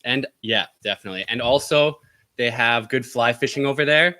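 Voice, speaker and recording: A man in his thirties with a Canadian accent, chatting casually on a live travel stream, relaxed and prone to laughing. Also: mid-range voice, normal speed. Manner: relaxed, rambling, laughs often. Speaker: travel vlogger.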